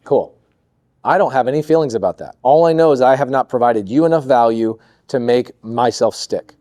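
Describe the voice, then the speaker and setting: A man of middle pitch tells a story to his podcast host, animated and quick to act out what others said. He sounds dry and close, with no room around him. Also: no room sound. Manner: animated storyteller, acts out quoted voices. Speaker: podcast guest, real estate investor. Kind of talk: storytelling interview chat.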